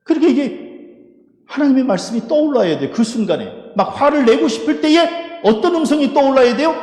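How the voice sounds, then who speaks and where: Lively pastor preaching in an echoey hall. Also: male voice, extremely high pitch. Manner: lively preaching, rhetorical questions, quick laughs. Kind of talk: sermon. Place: church sanctuary. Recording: echoey church hall with long reverb.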